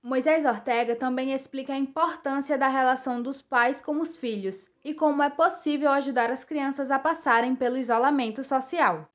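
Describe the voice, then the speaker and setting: Brazilian lady podcast presenter, pretty high voice, reading a script kinda formal. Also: moderate pace, hardly any pauses. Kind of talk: scripted narration.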